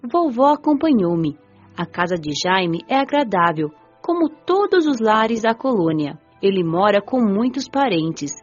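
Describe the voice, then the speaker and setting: A woman narrating an audiobook in the first person, telling the story gently. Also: mid-range voice, big pitch swings, a little slow, muffled recording, soft background music.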